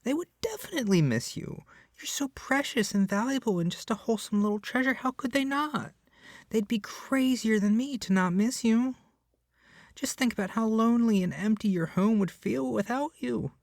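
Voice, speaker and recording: A man performing an ASMR roleplay as a doting, awkward, possessive young male kidnapper, speaking softly and hesitantly. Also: high voice, animated, moderate pace, vocal fry, no room sound, studio quality. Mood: earnest, reassuring. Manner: soft, hesitant, rambling, often dropping to a whisper. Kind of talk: ASMR roleplay addressed to the listener.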